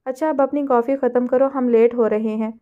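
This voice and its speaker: A woman voicing a calm, gentle man who is a doctor, giving advice in a storybook reading. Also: fairly high pitch, narrow, tinny audio, natural voice. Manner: gentle, advising.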